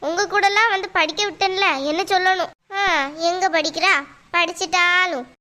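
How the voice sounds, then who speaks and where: A woman voicing a shrill scolding cartoon mother. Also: fairly even intonation, normal speed, sharp tone. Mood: angry. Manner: shrill, bossy, demanding. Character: loud scolding mother, quarrelsome and pushy. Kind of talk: cartoon voice acting.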